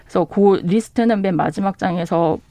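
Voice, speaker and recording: A woman's voice: mid-range voice, normal speed, over a noisy crowd. Chatty laughing woman from Seoul. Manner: chatty, laughs often, reads dialect lines aloud. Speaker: bookshop owner guest. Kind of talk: casual radio chat.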